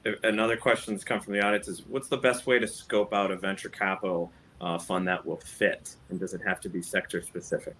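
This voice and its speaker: A man moderating an investor panel over a video call, putting questions to the panel in a relaxed, chatty way. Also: sits low, a little fast, few pauses, slight background noise. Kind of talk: panel discussion.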